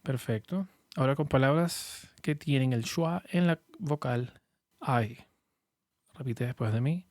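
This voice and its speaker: A man teaching English pronunciation in a patient, clear way, saying model words slowly for learners to repeat. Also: mid-range voice, darkish tone, dry recording, clean studio sound. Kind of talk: shadowing lesson, repeat-after-me drills.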